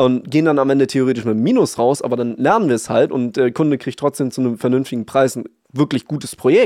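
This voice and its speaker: A dark, mellow tone at a very fast pace, with ordinary pitch variation and a dry, close sound without echo. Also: man, medium pitch for a man. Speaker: podcast co-host and business owner. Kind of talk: casual chat.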